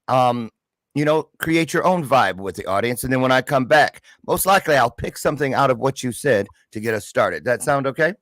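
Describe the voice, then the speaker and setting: A man's voice: medium pitch, animated, fairly quick, fairly bright tone, no echo. A man hosting a casual livestream interview show in an exuberant, playful, slangy way. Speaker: show host.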